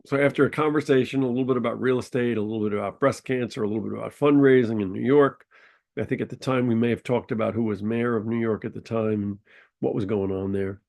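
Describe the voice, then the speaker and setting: Fast and steady, with vocal fry and a slightly mellow medium pitch, a man hosts a podcast. He is nasal and congested from a sinus infection, rambling casually through a story with plenty of ums and uhs.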